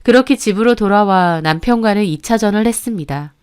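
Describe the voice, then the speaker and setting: A woman's voice: medium pitch, fairly quick, darkish tone, clean tone. A woman narrating her own life story in the first person, in the earnest style of a radio story.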